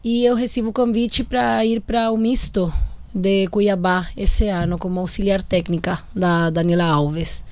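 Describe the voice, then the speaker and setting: A woman's voice: mid-range voice, steady tone, measured pace. Chilean lady coach chatting on a podcast, spanish accent, rambly storytelling. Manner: chatty storytelling, restarts and fillers. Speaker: football coach, guest. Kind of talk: casual podcast interview.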